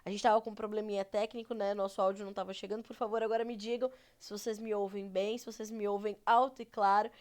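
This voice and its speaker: A Brazilian woman with a cold anchoring a live agribusiness news show, her voice nasal and congested as she runs through market prices. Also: mid-range voice. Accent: Brazilian Portuguese. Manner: brisk, reads prices in a steady run.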